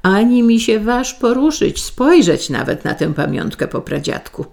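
A woman voicing a patient, sly village husband in a folk tale who barks sharp warnings. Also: fairly low pitch, lively intonation, slow, creaky, full character voice. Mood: stern warning.

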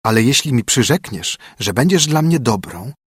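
Man doing a slow coaxing storybook frog, female, husky, animated ups and downs. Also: mid-range voice, dry recording, clean studio sound. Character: pleading slow-talking female frog from a well.

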